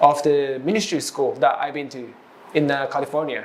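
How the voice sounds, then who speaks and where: A man speaks with a Japanese accent at a moderate pace. His intonation is fairly even over noticeable background noise. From Japan, Tokyo. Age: 20s. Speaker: pastor. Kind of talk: testimony. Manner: halting.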